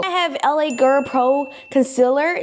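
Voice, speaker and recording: A woman with a Vietnamese accent, amid noticeable background noise. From Vietnam, Hue. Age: 20s. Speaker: beauty and fitness vlogger. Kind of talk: chatty makeup tutorial with Q&A. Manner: casual, chatty.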